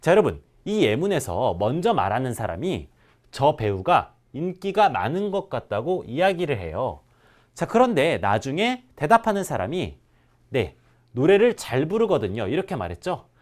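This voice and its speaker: A man teaching a language class, drilling example words slowly and clearly for his students. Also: medium pitch, sing-song. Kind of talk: classroom lesson.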